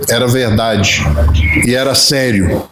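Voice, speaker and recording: A man's voice: medium pitch, slow, echoey room, background noise. A man with a Brazilian Portuguese accent giving a spiritist lecture, telling stories and acting out little dialogues. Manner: storytelling with acted-out dialogue.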